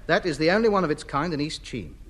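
A pompous, blustering hoarder. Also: male voice, a little high, animated, fast talker, a bit bright. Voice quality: blustering, grandiloquent. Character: pompous, self-important middle-aged man hoarding junk. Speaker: comedy lead. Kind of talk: 1950s radio sitcom acting. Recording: noisy old radio broadcast.

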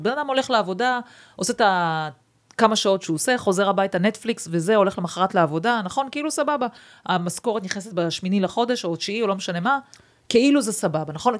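A woman hosts a casual podcast interview, speaking emphatically and expressively. She pushes her opinions hard, and her pitch jumps sharply whenever she makes a point.

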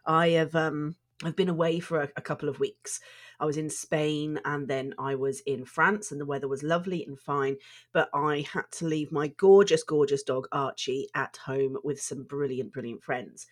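A woman's voice: deep voice, steady tone, normal speed. A middle-aged woman psychotherapist hosting her own podcast, her voice congested and stuffy from allergies, talking earnestly and doubling words for emphasis. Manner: earnest, emphatic word repeats. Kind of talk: solo podcast monologue.

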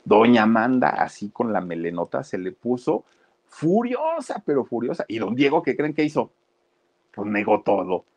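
A man's voice: fairly low pitch, moderate pace, darkish tone. A man telling celebrity gossip in a chatty, casual way, often addressing the listeners directly. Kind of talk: casual storytelling.

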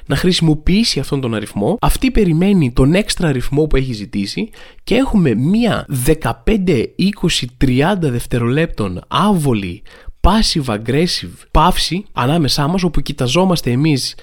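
A man hosting his own podcast, telling comic everyday stories in a rambling, animated way with lots of filler phrases. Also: on the high side. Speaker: podcast host. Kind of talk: comic storytelling monologue.

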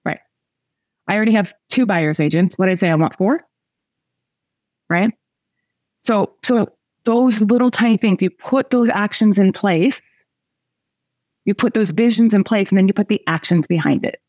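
A woman in her forties leads a motivational coaching session, chatty and emphatic and quick to laugh. She speaks directly to her listeners. The recording is close and dry, with no room echo. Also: mid-range voice, darkish tone. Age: 40s. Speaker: coach and host. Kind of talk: motivational coaching talk to a group.

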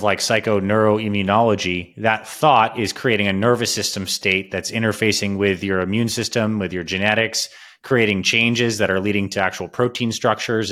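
A man's voice: fairly low pitch, fairly bright tone. A man hosting a podcast who asks long, thoughtful questions, often padding them with "like". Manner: thoughtful, musing questions with "like" fillers. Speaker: podcast host. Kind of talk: casual podcast interview.

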